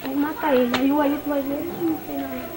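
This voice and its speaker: A woman's voice: high-pitched, fairly even intonation, fairly quick, noisy background. A Brazilian woman in casual family chat outdoors, picked up by a camcorder on old worn tape.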